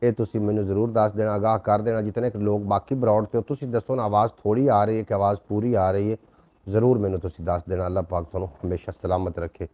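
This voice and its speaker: A man's voice: fairly low pitch, fairly even intonation, fairly quick, dull audio. A man hosting a casual live stream, courteous and full of blessings and thanks for his viewers. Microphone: new microphone.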